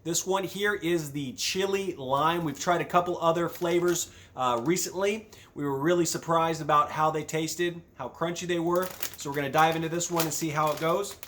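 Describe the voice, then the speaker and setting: A man with a slightly high voice talks through a casual product review as the host. He chats informally to viewers while tasting crunchy chips. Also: moderate pace, hardly any pauses, fairly bright tone, a little hiss or hum.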